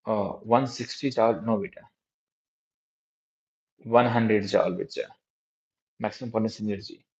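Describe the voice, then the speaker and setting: Gravelly South Asian man teaching, dull lo-fi sound. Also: on the low side, fairly even intonation, a little mellow. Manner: halting, repetitive, frequent checking tags addressed to students. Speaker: physics teacher. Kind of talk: live exam-prep lesson, working through problems. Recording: dull lo-fi recording.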